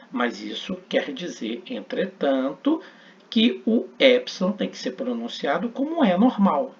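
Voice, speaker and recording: Male instructor, slow deliberate delivery, lively pitch, dull lo-fi audio, recorded lesson. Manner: slow, deliberate, repeats words for practice. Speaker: teacher.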